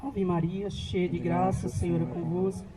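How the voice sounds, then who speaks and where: Low flat woman's voice leading a prayer, crowd noise all around. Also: normal speed, poor audio. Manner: steady recited prayer. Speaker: prayer leader.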